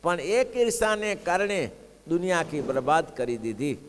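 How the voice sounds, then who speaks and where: A man with a fairly high voice preaches a devotional sermon. He tells stories, acts out what the characters say, and turns to his listeners with rhetorical questions. His voice rings out in a hall with a long echo. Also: expressive, normal speed. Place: gurukul assembly hall.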